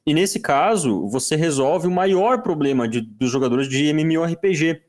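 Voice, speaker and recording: A man's voice: a little high, expressive, normal speed, a little mellow. A man in casual podcast talk, rambling and self-deprecating with frequent restarts. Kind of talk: casual chat.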